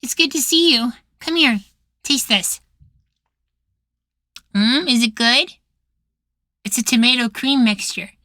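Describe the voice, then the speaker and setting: A man voicing a cheerful, naive young boywife in an intimate ASMR roleplay, soft, doting and chatty. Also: very high-pitched, expressive, slow pace, pauses often, dry recording, studio quality, exaggerated voice. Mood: affectionate.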